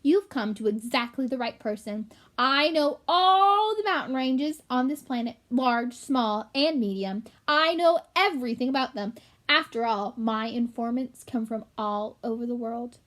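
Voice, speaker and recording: A woman voicing a fussy, world-weary old white rat with a shrill voice and a knowing manner in a storybook. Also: measured pace, a bit bright. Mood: boastful.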